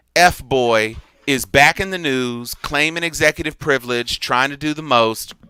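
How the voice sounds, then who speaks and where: Bright and sharp, the animated voice carries lively intonation in a dry, close sound with no echo. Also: man. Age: 40s. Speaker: podcast host. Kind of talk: casual chat.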